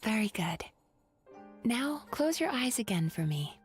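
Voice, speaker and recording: A woman voicing a gentle young female dream therapist in a game, speaking softly and breathily as she guides someone through hypnosis. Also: on the high side, very animated. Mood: soothing, hushed. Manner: soft, breathy, slow and lulling. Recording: reverberant studio voice with music behind.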